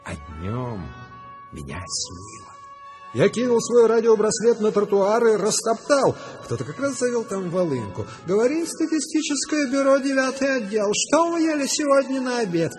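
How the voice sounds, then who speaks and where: A man's voice: very high voice, very animated, moderate pace, darkish tone, soft background music. An actor playing a gleefully rebellious, eccentric arrested man in a radio drama, telling his tales in a wry, theatrical manner. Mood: gleeful, animated.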